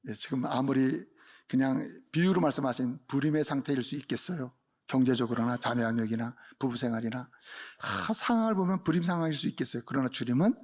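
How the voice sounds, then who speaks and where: Gravelly, husky male pastor preaching. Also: mid-range voice. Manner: emphatic preaching, swings from loud to hushed. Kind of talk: sermon.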